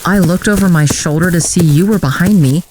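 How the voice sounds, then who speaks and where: A woman's voice: on the low side, a little fast, a little mellow, a little hiss or hum, lightly acted. An actress playing a wry grown woman vividly recounting a teenage adventure in an audio drama. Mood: tense, recounting. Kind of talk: dramatic first-person narration in audio drama. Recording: music bed behind voice.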